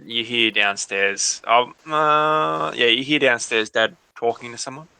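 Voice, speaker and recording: A man's voice: medium pitch, unhurried, vocal fry, bright, forceful tone, clear, resonant tone, no room sound. A man acting as game master, casually improvising the narration of a tabletop role-playing game.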